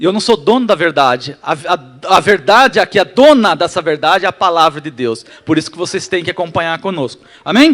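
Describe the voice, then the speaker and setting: Talking at a fairly quick pace, a man sounds animated, with lively intonation. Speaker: pastor. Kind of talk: sermon. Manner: fast.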